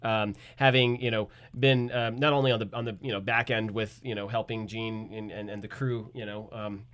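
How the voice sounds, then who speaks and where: A man's voice: on the low side, flat delivery, normal speed, fairly bright tone. A man who works as a voice actor and technician, chatting casually and hesitantly, searching for his words. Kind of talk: casual interview chat.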